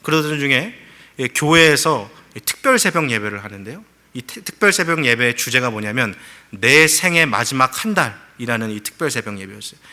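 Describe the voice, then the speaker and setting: A man's voice: medium pitch, very animated, a little fast, sharp tone. A middle-aged male pastor preaching a sermon, telling a story with acted-out quotes and rising to fervent pleas.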